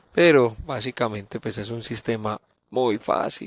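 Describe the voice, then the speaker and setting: A man talks at a fairly slow pace and medium pitch with fairly even intonation. The sound is dry and close, with no echo. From Colombia, Antioquia (paisa). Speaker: podcast host. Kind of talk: casual history podcast narration. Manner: casual, humorous, chatty.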